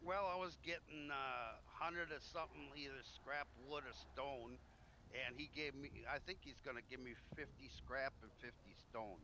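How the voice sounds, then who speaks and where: A man's voice: mid-range voice, normal speed, bright, forceful tone. A man chatting in character in an online roleplay game, explaining things in a chatty way. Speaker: roleplay gamer playing a trader. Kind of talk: improvised in-character casual chat. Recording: noisy game voice chat.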